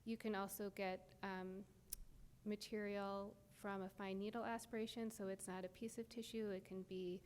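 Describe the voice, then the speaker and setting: A soft-spoken woman giving an academic lecture, explaining step by step with frequent ums. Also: mid-range voice, little pitch movement, normal speed. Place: lecture hall. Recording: reverberant lecture hall, faint noise.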